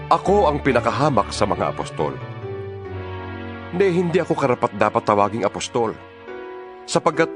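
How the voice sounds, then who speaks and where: A man with a Filipino accent playing an earnest, emphatic apostle exhorting fellow believers in a dramatized scripture reading. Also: mid-range voice. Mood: humble, fervent. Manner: earnest, emphatic, preacherly, deliberate phrasing. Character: impassioned male apostle exhorting his fellow believers by letter. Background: music.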